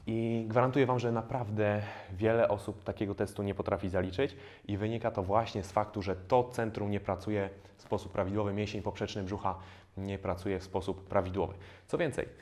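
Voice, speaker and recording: Calm low-voiced man explaining exercises. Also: a little fast. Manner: calm explanatory, frequent hesitation fillers. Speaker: fitness trainer. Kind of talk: instructional exercise video. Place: bare indoor studio room.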